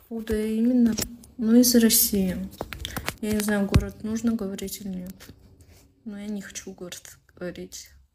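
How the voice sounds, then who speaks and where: A woman with a fairly high pitch speaks in a flat monotone at a moderate pace, leaving long, frequent pauses, with noticeable background noise behind her. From Russia. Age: 20s. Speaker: live streamer. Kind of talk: casual live stream chat. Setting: live stream on camera. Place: home room. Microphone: phone near.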